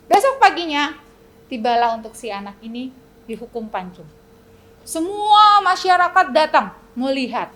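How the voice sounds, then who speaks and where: A woman teaching Sunday school, telling a dramatic story to children, swinging between loud and hushed. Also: high-pitched.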